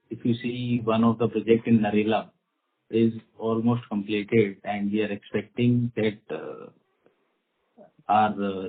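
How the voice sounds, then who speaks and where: Husky Indian man on a muffled call. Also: fairly low pitch. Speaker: company executive answering investors. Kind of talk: earnings call answers. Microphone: phone conference call. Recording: muffled phone conference line.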